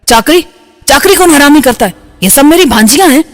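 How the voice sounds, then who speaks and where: A man's voice: very high-pitched, lively intonation, a bit bright, big-room sound. A man voicing a frightened old male driver who stammers and pleads. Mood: indignant.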